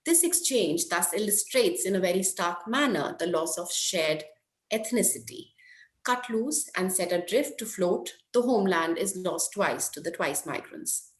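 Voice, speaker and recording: A woman's voice: on the low side, lively intonation. Woman reading a paper in an echoey room. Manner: measured, careful reading with slow stresses. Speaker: academic presenter. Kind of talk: reading a conference paper aloud.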